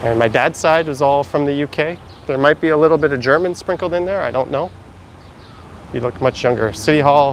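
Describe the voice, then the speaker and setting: This man has an unremarkable speaking voice, fairly high in pitch with ordinary pitch variation, speaking at a fairly quick pace in a Canadian accent. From Ontario, Canada. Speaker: walking tour live streamer. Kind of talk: live stream chat while walking. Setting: outdoors, walking downtown city.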